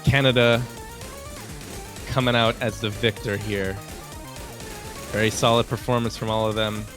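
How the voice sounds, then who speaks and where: A man doing play-by-play commentary on a game tournament, relaxed and calling plays in short bursts. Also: on the low side, a little slow. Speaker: esports commentator. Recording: game music playing underneath.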